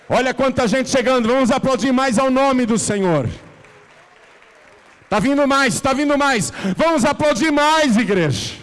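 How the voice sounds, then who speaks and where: A Brazilian man preaching as a pastor, moving between soft pleading and loud, fervent calls to come forward. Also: very high voice. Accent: Brazilian Portuguese. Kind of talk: preaching a sermon with an altar call. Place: large church hall. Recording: reverberant church hall.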